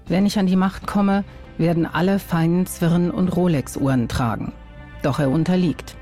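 A woman playing a formal, deadpan newsreader in a satirical scripted radio bulletin. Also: lowish voice, natural voice.

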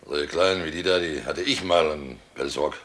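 An actor playing a guilt-ridden, wily village innkeeper, nervous and falsely jovial, in a radio play, with a gravelly, husky voice. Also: male voice, very deep voice, normal speed, fairly bright tone, heavily acted. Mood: forced joviality. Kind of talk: German radio play acting.

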